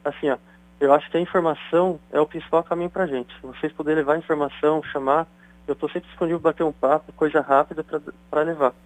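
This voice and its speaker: A man's voice: on the high side, steady tone, fast talker, dry recording, low-quality recording. A man, a doctor, explaining things in a chatty radio interview. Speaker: neurosurgeon guest.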